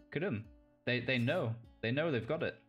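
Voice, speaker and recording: A young British man casting a live video game match, reacting quickly and cracking jokes between calls. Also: mid-range voice, a bit bright, faint music behind. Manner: quick reactive play-by-play, jokey asides. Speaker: caster. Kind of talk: live esports play-by-play commentary.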